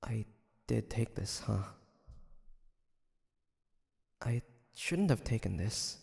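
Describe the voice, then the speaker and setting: A man playing a brooding, guarded demon hunter from the 1850s in an intimate audio roleplay, speaking in a hesitant, halting way. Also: fairly low pitch, lively intonation, gravelly, a little mellow, slightly rough, long reverb tail, exaggerated voice. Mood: troubled, confused. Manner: hesitant, halting, sighing soliloquy. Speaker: voice actor.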